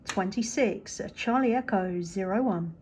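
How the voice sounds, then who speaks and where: A woman's voice: mid-range voice, normal speed, heavy background noise. A woman, chatting in an upbeat, appreciative way as a CB radio operator at her home station. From United Kingdom. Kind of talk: casual radio contact chat.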